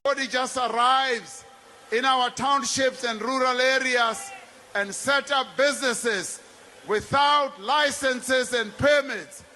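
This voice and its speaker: A man's voice: very high voice, slow, bright, forceful tone, slight background noise. A man, a head of state, giving a firm, declarative political speech.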